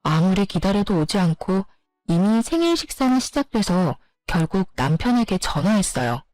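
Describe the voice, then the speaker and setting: A woman's voice: mid-range voice, sing-song, moderate pace, darkish tone, dry recording, faint music behind. A woman narrating a dramatized first-person story in a blunt, indignant, confiding way.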